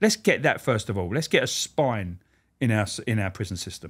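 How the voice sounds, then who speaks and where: The intonation is lively and the pace fairly quick as a man speaks. A silent background makes for a very clean recording. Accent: London. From South London. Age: 50s. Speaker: ex-prison officer. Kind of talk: casual interview chat. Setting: studio. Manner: animated.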